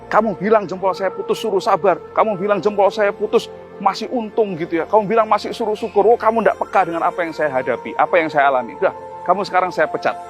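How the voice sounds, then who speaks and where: A man voicing a king who has lost his thumb, with a higher, indignant, complaining voice. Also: brisk, soft background music, close to an everyday voice. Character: fretful king, hurt and quick to anger.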